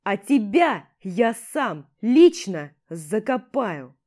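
Woman playing a yelling army commander. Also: mid-range voice, very animated, extremely slow, full character voice. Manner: barking orders, yelling. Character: gruff male army commander, furious and sarcastic.

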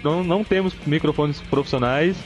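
A man's voice: a little high, brisk, darkish tone. Brazilian portuguese man, laid-back podcast co-host, slangy, chuckles often, faint guitar in the background. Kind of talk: casual chat. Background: faint guitar music.

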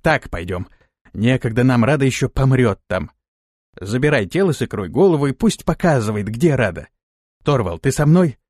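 A man's voice: medium pitch, sing-song, normal speed, a little mellow, no echo, clean studio sound. A man voicing a brash, hot-tempered young lord in an audiobook, given to indignant outbursts. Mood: urgent.

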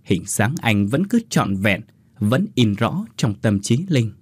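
Expressive husky-voiced male storyteller. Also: fairly low pitch, slow pace, dry recording. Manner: lively, expressive reading. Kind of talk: scripted story narration.

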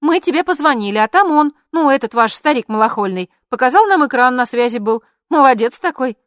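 An excitable young woman gushing about the news, as the narrator puts her on. She sits very high and bright in pitch and talks loudly. The reading is dry and close. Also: brisk, no echo. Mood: excited. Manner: breathless, gushing.

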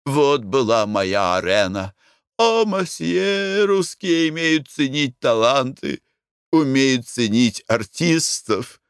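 A man's voice: medium pitch, takes it slowly, clean tone, no echo, clean studio sound, pitched above the performer's own voice. A man voicing an effusive, stout, middle-aged French woman, a former singer, with a French accent and a gushing, theatrical manner.

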